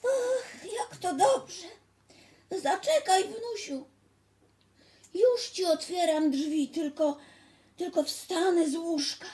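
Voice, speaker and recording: A woman voicing a sick old grandmother with a weak, high, trembling voice. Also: takes it slowly, long pauses, mellow. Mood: frail.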